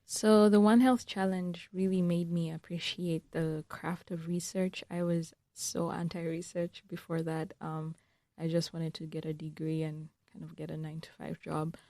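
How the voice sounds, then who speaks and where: A young woman from Uganda, a student guest answering radio interview questions in an earnest, thoughtful way with frequent pauses. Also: low voice, little pitch movement, warm tone, dry recording. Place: radio studio.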